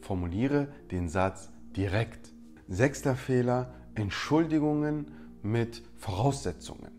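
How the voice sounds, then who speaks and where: A man's voice: medium pitch, slow pace, a little mellow, soft background music. A man presenting rhetoric tips in an instructional talk, speaking directly to his viewers and acting out example apologies.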